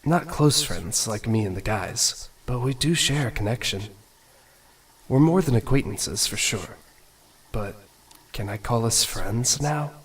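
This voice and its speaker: A man playing an awkward, self-doubting young prince musing to himself in a fan audio drama, with a husky voice. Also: medium pitch, animated, unhurried, recorded from a distance. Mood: wistful musing. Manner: casual, introspective musing.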